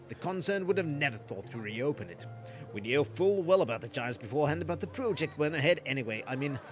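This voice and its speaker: A man voicing a blunt, gruff male mining foreman in a game, talking in a folksy, colloquial way. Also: on the high side. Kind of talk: reading game dialogue aloud.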